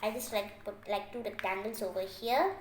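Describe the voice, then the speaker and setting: Her mid-range voice moves at a moderate pace as she leads a relaxed craft tutorial step by step, sprinkling "like" through her phrases. Clicks and faint noise come through in an echoey room.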